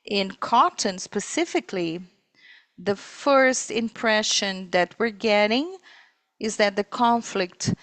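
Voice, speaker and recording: A woman interpreting live on a corporate earnings call, speaking in halting, piecemeal phrases. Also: mid-range voice, a bit bright, dry recording, poor audio. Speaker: simultaneous interpreter.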